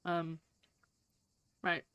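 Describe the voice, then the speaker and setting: A woman's voice: very slow, sharp tone. A woman streamer giving casual gameplay commentary with chatty, playful asides. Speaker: game streamer.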